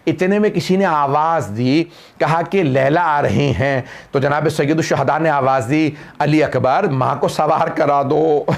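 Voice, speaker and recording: Male cleric, mourning sermon; gravelly, somewhat high-pitched, dramatic storytelling that climbs to wailing. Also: measured pace. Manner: narrates a tragedy in a rising, wailing voice, quoting the figures dramatically. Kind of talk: Muharram majlis sermon, rising to wailing recitation. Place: mourning hall at an Islamic center.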